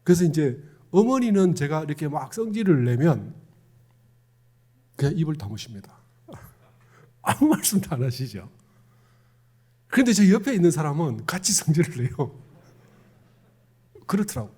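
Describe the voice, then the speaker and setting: Putting questions to his congregation, a middle-aged Won Buddhist minister speaks with the Gyeongsang accent of his home province in Korea in a conversational sermon. His voice is a little high with big pitch swings, normal in speed with long pauses, dark and slightly breathy.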